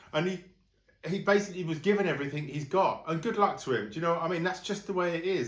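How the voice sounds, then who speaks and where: High male speech with ordinary pitch variation, carrying audible room echo. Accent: English. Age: 60s. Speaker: photographer and tech vlogger. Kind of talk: casual vlog monologue. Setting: spare room at home.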